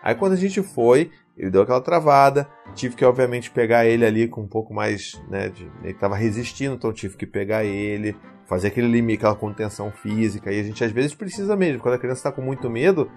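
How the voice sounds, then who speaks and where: A man shares parenting advice in a casual vlog, telling his story with energy and playing out the dialogue himself. His voice sits at an ordinary middle pitch. Soft music runs quietly underneath. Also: quick pace, hardly any pauses. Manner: animated storytelling, acting out his own quoted dialogue. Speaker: parent vlogger.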